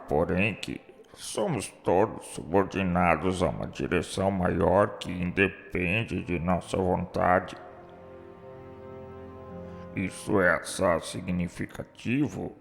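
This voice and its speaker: An actor playing a remorseful, educated suicide's spirit in a radio drama, speaking solemn, formal, declamatory lines. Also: male voice, sits low, creaky, exaggerated voice. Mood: resigned, remorseful. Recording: long hall reverb, music underneath.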